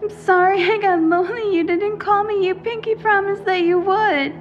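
A woman's voice: very high voice, normal speed, dull audio, faint music behind. A woman voicing a lost, frightened ghost girl trapped underground in a narrated horror story. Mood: lost, scared. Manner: small, frightened and confused.

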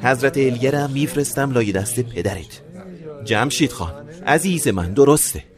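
A man's voice: mid-range voice, lively intonation, crowd noise, close to an everyday voice. An actor playing a stingy, scheming middle-aged father in a radio play, switching from blustering to wheedling. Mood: pleading, bitter. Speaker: father of the bride.

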